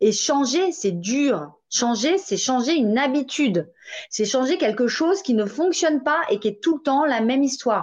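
A woman with a high voice talks fairly slowly, her pitch swinging very widely while her loudness stays very even. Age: 40s. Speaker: language school director and former hypnotherapist. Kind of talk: casual interview chat. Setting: podcast recording.

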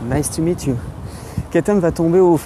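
A man with a French accent, fairly high pitch, and fairly even intonation, over noticeable background noise. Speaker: livestreamer teaching philosophy. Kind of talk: live stream talk to viewers. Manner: hesitant, many fillers.

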